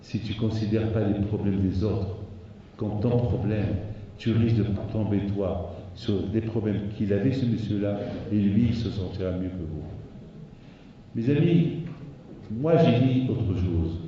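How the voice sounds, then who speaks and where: Man preaching from far off in a booming hall. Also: measured pace, a little hiss or hum. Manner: lively storyteller who acts out the animals. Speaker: rabbi. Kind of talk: sermon with a told fable. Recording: echoey hall from far off, dull.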